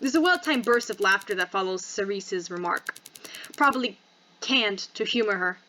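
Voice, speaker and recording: A woman's voice: mid-range voice, expressive, normal speed, pushed and bright, slight background noise, poor audio. A woman reading a visual novel game aloud as narrator and host, dropping in casual asides.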